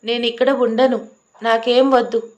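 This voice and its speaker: A woman plays a defiant young heroine in a storybook romance, indignant and argumentative, firing back questions. The voice sits somewhat high and keeps her combative edge. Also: little pitch movement, unhurried, darkish tone, natural voice. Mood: indignant, angry.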